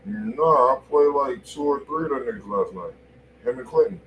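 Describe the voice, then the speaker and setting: A man with an average-pitched voice co-hosts the stream, tossing in quick, easygoing slang reactions. A faint hiss sits behind him. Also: dull audio. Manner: relaxed street slang, short reactions. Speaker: co-host on the stream. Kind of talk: casual chat.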